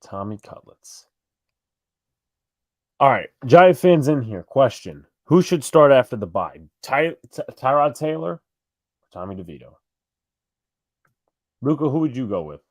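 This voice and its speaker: Clean studio sound with no room sound carries this medium-pitched, sing-song voice, which moves at a measured pace and pauses often. He is a New York–accented co-host calling plays on a live fan stream, talking with viewers in a rambling way and frequently correcting himself.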